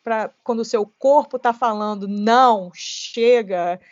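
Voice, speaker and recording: A Brazilian woman in her late forties with a Brazilian Portuguese accent, a trail runner talking as a guest. She speaks in animated bursts with many restarts. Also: on the high side, takes it slowly, dry recording. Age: late 40s. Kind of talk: casual interview conversation. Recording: dull lo-fi podcast audio.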